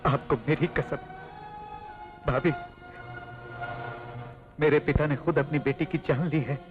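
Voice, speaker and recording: An actor playing a loyal younger brother in a dubbed film, earnest and emotional. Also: male voice, fairly high pitch, fairly even intonation, takes it slowly. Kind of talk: Hindi film dub. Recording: tinny dubbed audio with music.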